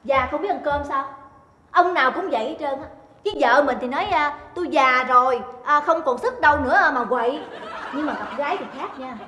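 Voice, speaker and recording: A woman's voice: brisk, pushed and bright, soft background music. An actress with a Southern Vietnamese accent playing a middle-aged jealous wife who scolds and mocks her husband in a stage comedy. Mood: sarcastic. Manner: shrill, scolding, sarcastic. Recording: roomy stage hall, faint noise.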